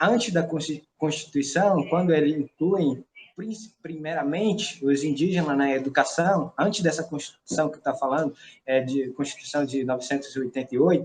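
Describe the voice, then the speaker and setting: Moderate pace from a man, his pitch fairly high. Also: ordinary pitch variation. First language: Tikuna (speaking Portuguese). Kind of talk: talk in a live video conversation. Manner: halting, frequent self-corrections.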